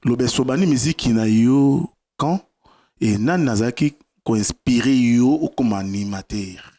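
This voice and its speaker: Man, mid-pitched voice, polite questioner, switches between lingala and french. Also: a little slow, dark tone. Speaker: caller asking questions. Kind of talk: interview questions.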